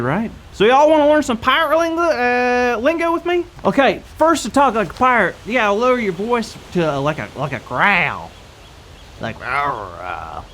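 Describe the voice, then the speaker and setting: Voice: mid-range voice, fairly bright tone, slight background noise. A performer voicing Carl, a goofy young would-be pirate who chats playfully and is easily scared, in a kids' church show skit. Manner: chatty, playful, growls for pirate talk. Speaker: show co-host character.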